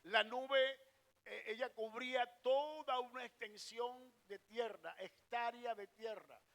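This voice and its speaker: A preacher with a high voice for a man, delivering a sermon. He throws questions at his listeners and answers them, restarting and hammering each point. Now and then he stops to call on a reader for the next verse. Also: measured pace. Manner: asks the congregation rhetorical questions and answers them himself; directs a scripture reader between points.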